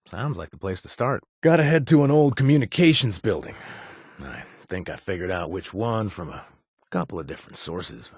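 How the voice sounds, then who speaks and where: A man's voice: deep voice, expressive, moderate pace, slightly rough, no room sound, clean studio sound, heavily acted. A young man voicing a sly, sarcastic male wasteland drifter in a video game, with a hesitant offhand delivery full of trailing asides. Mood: wry. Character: wry shady male wasteland drifter, joking and evasive. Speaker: game companion character. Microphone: close studio mic.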